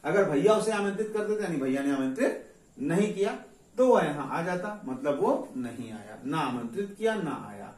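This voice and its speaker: A man teaching English grammar, slowly dictating example sentences in a classroom lesson. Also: fairly high pitch, lively intonation, a little mellow. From India. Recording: echoey room, voice from far off the mic.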